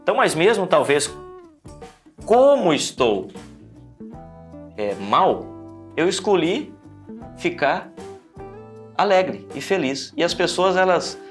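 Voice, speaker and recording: Brazilian pastor guy chatting on a podcast, acts out voices, pitch all over. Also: slow, pauses often, faint music behind. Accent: Brazilian Portuguese. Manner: animated, acts out voices in his stories. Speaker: pastor, guest. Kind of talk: casual storytelling on a podcast.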